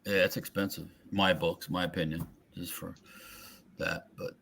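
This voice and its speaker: A man's voice: sits low, level tone, moderate pace, gravelly, fairly bright tone, a little hiss or hum. A man chatting casually about guns, rambling and trailing off, often chuckling. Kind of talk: casual firearms chat.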